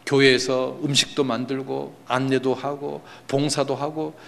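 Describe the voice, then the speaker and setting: A man's voice: medium pitch, little pitch movement, a little slow, vocal fry. A male pastor preaching a sermon in a church, telling a story that rises to emphatic, impassioned peaks. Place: church sanctuary.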